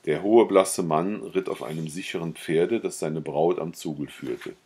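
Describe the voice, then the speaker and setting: A man reading a novella aloud in a calm, measured way, then chatting briefly at the end. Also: sits low, slightly rough. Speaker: audiobook reader.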